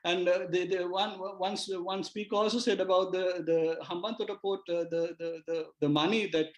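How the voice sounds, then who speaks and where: A man with a Sri Lankan accent arguing as a TV debate panelist, halting and repeating words. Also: sits high, fairly even intonation. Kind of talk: argumentative live TV debate. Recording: roomy, echoing remote guest feed.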